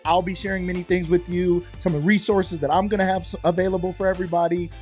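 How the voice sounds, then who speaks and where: A middle-aged man hosting a live online show, slightly hoarse from losing his voice, talking in an upbeat, chatty way and greeting viewers by name. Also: high voice, little pitch movement, quick pace, darkish tone, faint music behind. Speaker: host.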